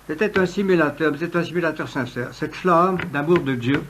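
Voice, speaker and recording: A man giving a history lecture in an oratorical, emphatic way, with pointed pauses and ironic asides. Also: a little high. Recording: noisy old lecture recording with clicks.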